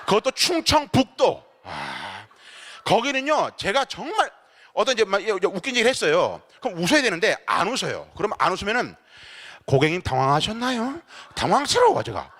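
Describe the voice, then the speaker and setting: Animated high-voiced pastor in reverberant church. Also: male voice. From Seoul. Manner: playful, teasing, engages the audience directly. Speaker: pastor leading a church seminar. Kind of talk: lively humorous seminar lecture. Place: church sanctuary. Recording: long hall reverb in a church.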